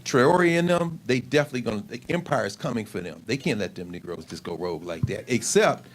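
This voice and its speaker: A man making casual remarks at a community forum, with quick asides. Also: mid-range voice, animated.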